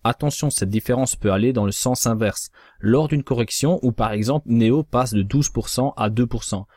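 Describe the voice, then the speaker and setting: Male chart analyst, mid pitch, measured and cautionary, dry booth-like sound. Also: a little mellow, no room sound. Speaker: crypto trading analyst. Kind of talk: scripted chart analysis voice-over.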